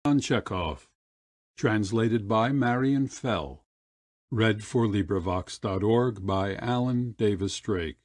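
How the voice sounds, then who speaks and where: Slow-paced man narrating a literary story. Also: on the low side, no room sound, clean studio sound. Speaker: audiobook narrator.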